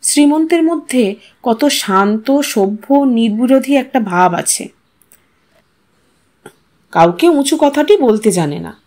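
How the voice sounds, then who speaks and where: A woman's voice: high-pitched, lively intonation, slow, long pauses, darkish tone. A woman reading a literary short story aloud as a scripted audio narration.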